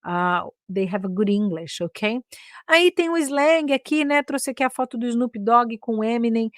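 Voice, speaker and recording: A woman's voice: on the high side, expressive, unhurried, no room sound, clean studio sound. A Brazilian woman with a Brazilian accent, giving a casual English lesson and switching between Portuguese and English with lots of "né?" and "ok?" tags. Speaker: English teacher.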